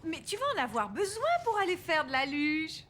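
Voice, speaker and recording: An actress playing a gentle, upbeat mother in a children's cartoon, coaxing a small child. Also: high voice, sing-song, normal speed, a little hiss or hum.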